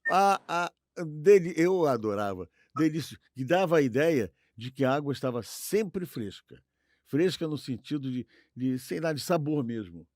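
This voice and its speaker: A man's voice: a little high, animated, a little slow, darkish tone, no echo, clean studio sound. An older man with a Brazilian accent, chatting casually and nostalgically as a co-host, rambling and repeating himself for emphasis. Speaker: podcast co-host.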